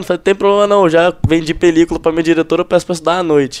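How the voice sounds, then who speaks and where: A man with a fairly high-pitched voice. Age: 20s. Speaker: young entrepreneur. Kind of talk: casual chat.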